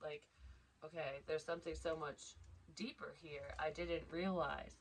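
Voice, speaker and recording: A woman's voice: low-pitched, steady tone, unhurried, slight background noise. A woman giving a casual psychic reading, stuffed up and congested, rambling and interrupting herself. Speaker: psychic tarot reader.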